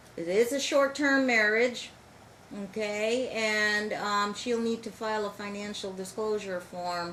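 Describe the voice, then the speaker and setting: A woman's fairly high voice, an unremarkable speaking voice, fairly slow in pace and fairly even in intonation. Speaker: family court judge. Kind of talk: courtroom hearing.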